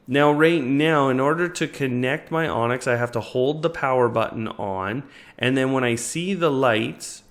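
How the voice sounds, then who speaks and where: A man's voice: mid-range voice, fairly bright tone. A man hosting a product review, explaining things step by step in a conversational unboxing and tutorial style.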